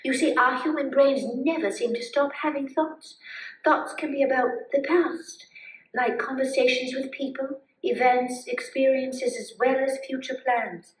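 A woman voicing an earnest, cheerful puppet who gently guides others through mindfulness in a live puppet show. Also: high-pitched, steady tone, measured pace, far from the mic. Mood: explaining. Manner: soothing, instructive, enthusiastic. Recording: roomy sound from afar.

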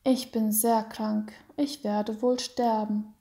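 A woman voicing a sick young mother in a storybook reading, speaking softly and weakly, often half-whispered. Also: fairly high pitch, level tone, slow pace. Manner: soft, weak, half-whispered.

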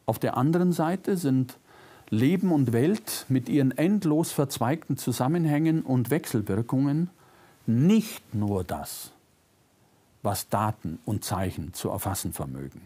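An older man with a faint Bavarian-Swabian German accent, reading a prepared lecture as a philosopher, measured and reflective, lifting his voice on key words. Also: mid-range voice, animated, dark tone, breathy edge. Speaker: philosopher giving a public lecture. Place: lecture room, seated at a desk. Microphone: lapel mic.

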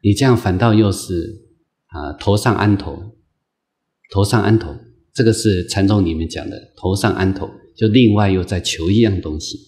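Gentle low-voiced monk giving a slow dharma talk. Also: male voice. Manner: gentle, repetitive phrasing with many drawn-out "ah" fillers; slow, patient, coaxing delivery. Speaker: Buddhist monk lecturing on a sutra. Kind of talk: unscripted dharma lecture.

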